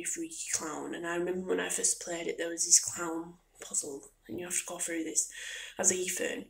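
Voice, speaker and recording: Soft-spoken woman with a creaky, low voice. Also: poor audio. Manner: hesitant, rambling, partly whispery delivery. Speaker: gaming and ASMR video creator. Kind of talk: soft-spoken ASMR ramble.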